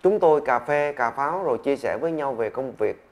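A man telling a story in a steady, measured narrating voice. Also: mid-range voice. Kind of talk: scripted storytelling.

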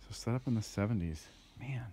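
A man's voice: medium pitch, fairly quick, warm tone. A man touring an outdoor sawmill, asking curious, easily impressed questions into a handheld phone camera. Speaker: video host touring a sawmill. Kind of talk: casual on-site questions.

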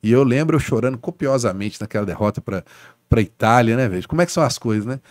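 A man's voice: mid-range voice, fast talker, dry recording. A man from Brazil, a sports journalist guest on a casual podcast, telling stories animatedly and tagging his sentences with little asides. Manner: animated storyteller, frequent "né, cara" tags.

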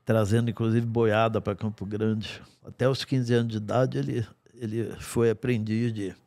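A man in his sixties, a guest in a podcast studio, telling stories from his life in an unhurried, wry way with dry asides. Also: fairly low pitch, flat delivery, darkish tone, dry recording. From Brazil. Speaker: guest singer-songwriter. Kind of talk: storytelling in a podcast interview. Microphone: studio mic on a stand.

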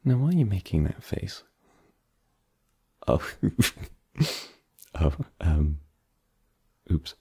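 Man doing young boyfriend, easygoing, teasing, hesitant, low pitch, gravelly, husky. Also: sing-song, very slow, pauses often, warm tone, exaggerated voice. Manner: hesitant, filler-heavy, teasing. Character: easygoing young adult boyfriend hosting friends. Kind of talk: ASMR roleplay.

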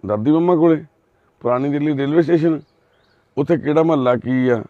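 A man doing social service on a live video, gently soothing a frightened girl and repeating his reassurances. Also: a little high, fairly quick, lo-fi sound. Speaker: social worker helping a lost girl.

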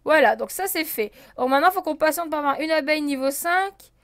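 A woman's voice: high-pitched, animated, a little fast, dry recording, clean studio sound. A woman casually commenting on her gameplay as a let's play host, thinking aloud with many fillers and talking to her viewers. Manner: counts and checks items out loud.

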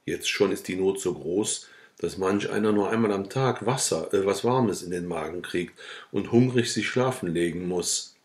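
A man's voice: sits low, moderate pace, natural voice. A man reading the lines of a worried old village man who earnestly pleads for the hungry poor. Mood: pleading.

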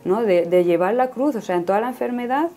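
A woman's voice: a little high, brisk, mellow, soft background music. A woman in her thirties telling her personal faith story in earnest conversation. She often ends phrases with a questioning "no?". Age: 30s. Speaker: guest giving a faith testimony.

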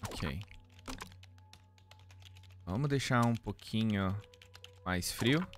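A man's voice: fairly low pitch, animated, extremely slow, soft background music. A man in his thirties with a Brazilian accent, giving casual playthrough commentary, musing aloud and reading out screen text. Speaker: game streamer.

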